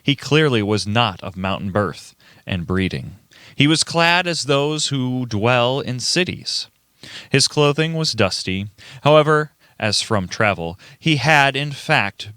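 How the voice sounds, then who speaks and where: A man's voice: mid-range voice, lively intonation, measured pace, bright, forceful tone, clear, resonant tone, no echo, studio quality. A man acting as narrator and reader in an amateur recording of a dramatic reading. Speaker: narrator and reader of all parts.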